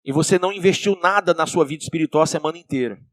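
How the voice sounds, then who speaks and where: A male pastor with a Brazilian accent preaching a sermon, asking the congregation questions and swinging between soft and loud. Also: on the high side, racing, no room sound, studio quality. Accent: Brazilian Portuguese.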